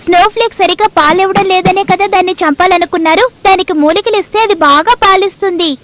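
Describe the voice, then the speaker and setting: A woman voicing an eager, tender-hearted, outspoken little girl in an expressive cartoon dub. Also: very high voice, quick pace, a little hiss or hum. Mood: indignant. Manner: earnest, expressive. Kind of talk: Telugu cartoon dubbing.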